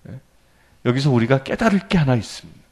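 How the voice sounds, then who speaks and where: A male priest giving a sermon lecture in a church, animated and often prompting his listeners with questions. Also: mid-range voice, quick pace.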